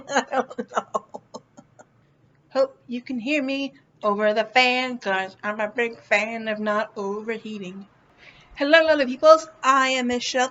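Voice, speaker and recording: High-voiced, playful woman rambling in casual vlog. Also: a bit bright, highs cut off. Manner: playful, goofy, giggly, swears freely; halting, repeats words while searching for them. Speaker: vlog host. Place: indoors, lying in a hospital bed with a fan running.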